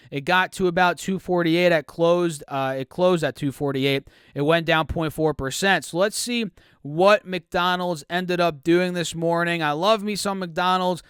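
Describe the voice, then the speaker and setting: A man's voice: high voice, fairly bright tone, clean tone, no room sound, clean studio sound. A man giving casual stock market commentary, reading earnings numbers with chatty asides. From United States.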